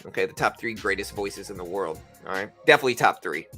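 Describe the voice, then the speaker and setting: A man's voice: low-pitched, animated, fast talker, sharp tone, soft background music. A man hosting a casual early-morning livestream, tired and just woken up, talking in a laid-back, rambling way. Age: adult with a daughter. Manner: laid-back, rambling, says bro and you know a lot. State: just woke up, tired, voice deeper than usual. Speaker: livestream trading host. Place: home in Texas.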